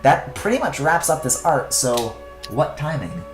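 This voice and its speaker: A man's voice: mid-range voice, very animated, a little slow, echoey room, music in the background. A young man streaming himself drawing, chatting casually, swearing and trailing off mid-thought. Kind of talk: casual chat while drawing.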